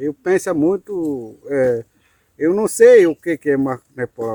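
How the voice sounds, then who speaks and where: Recorded dry and close with no echo, a man with a fairly high pitch speaks at a very slow pace with ordinary pitch variation. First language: Kayapó (Mebêngôkre) (speaking Portuguese). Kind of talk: political statement. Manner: halting, many repetitions and fillers.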